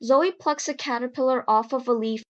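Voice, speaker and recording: A woman narrates an audio drama from a script. Her voice is fairly high as she describes the scene. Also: normal speed, muffled recording.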